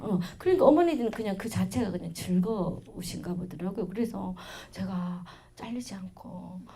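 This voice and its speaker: Middle-aged woman with a regional Korean lilt. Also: mid-range voice. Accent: Korean regional dialect. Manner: chatty, lively storytelling with sudden loud bursts and soft asides. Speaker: lecturer. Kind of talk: parenting lecture.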